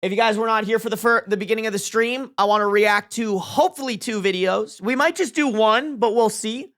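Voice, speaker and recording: Medium in pitch and a bit bright, this livestream host speaks a little fast. They're in their twenties, reacting casually to a live audience with emphatic slang and plenty of swearing.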